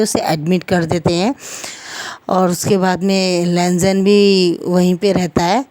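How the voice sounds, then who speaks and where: A woman's voice: mid-range voice, a little mellow, dry recording. A woman casually narrating her own fan fiction story, chatty and full of fillers, dropping into quoted dialogue.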